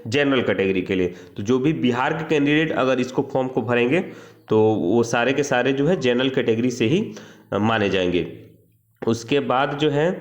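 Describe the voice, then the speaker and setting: A man giving an informal instructional walkthrough as a coaching teacher, reading out details and commenting, with frequent check-in tags. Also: medium pitch. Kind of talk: informal explainer of a job notice, reading and commenting.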